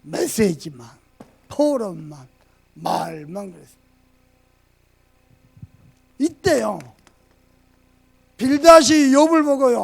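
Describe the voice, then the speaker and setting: A male pastor preaching a sermon with fervor, swinging between shouted points and quiet asides. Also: very high voice, vocal fry. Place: church sanctuary.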